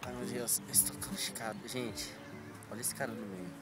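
A man's voice: fairly quick, music in the background. A young man joking with friends in a park, picked up on a friend's phone. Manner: playful, mock intro voice, low and lively. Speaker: friend at the meetup, fellow YouTuber. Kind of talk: casual joking chat. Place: outdoors on park grass. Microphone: friend's phone camera.

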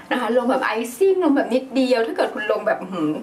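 A woman's voice: fairly high pitch, very animated, fast, a little mellow, recorded from a distance. A woman talking casually through a makeup tutorial at home, explaining each step and acting out little quoted asides. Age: adult, calls herself big sister to viewers. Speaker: beauty vlogger. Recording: voice a bit off-mic with faint room noise.

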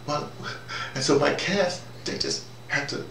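A middle-aged or older man giving a rambling, opinionated monologue to camera, animated and digressive, often repeating himself as he searches for words. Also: fairly high pitch, unhurried, creaky. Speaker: audio drama director. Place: small indoor room or office. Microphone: camera a few feet away. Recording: roomy, distant camera mic, noisy.

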